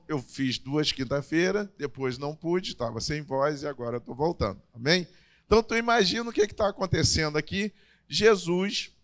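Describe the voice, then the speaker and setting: Brazilian pastor, middle-aged man, sermon delivery, slightly hoarse recovering voice, chatty and rising in energy. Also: fairly high pitch. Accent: Brazilian Portuguese. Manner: conversational, building up energy when storytelling. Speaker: preacher.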